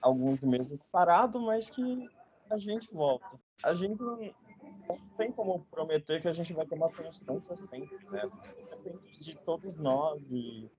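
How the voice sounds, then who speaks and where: A man's voice: fairly high pitch, expressive, unhurried, darkish tone, muffled recording. A man in his twenties from northern Paraná, hosting a podcast in casual, jokey chat with frequent tag questions. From northern Paraná, Brazil. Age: 20s. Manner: chatty, jokey, with frequent "né?" tags. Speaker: podcast host.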